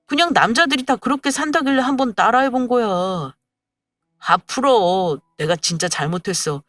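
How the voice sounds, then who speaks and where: A woman's voice: fairly high pitch, a bit bright, no room sound, clean studio sound, pitched above the performer's own voice. A woman voicing a young husband who argues defensively and pleads with his wife in a storybook radio drama.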